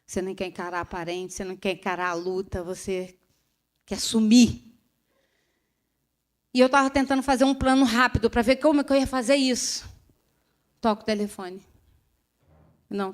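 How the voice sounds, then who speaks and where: A woman giving a dramatic, emotional church testimony, speaking to the congregation. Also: medium pitch. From Brazil. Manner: dramatic storytelling, addressing listeners as beloved.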